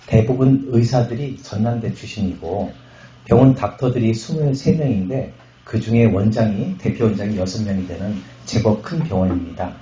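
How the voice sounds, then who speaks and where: A middle-aged man from Chungcheong Province, a pastor giving a testimony sermon at a revival meeting, telling his story with jokes and loud bursts. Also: on the low side, normal speed, slight background noise. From Chungcheong Province, Korea. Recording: echoey hall, slightly muffled sound.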